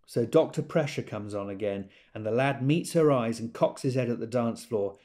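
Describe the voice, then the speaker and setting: A man's voice: medium pitch, moderate pace, a little mellow, natural voice. An actor playing a wry gay man who tells of a party in an observant, dramatised literary monologue. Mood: reflective.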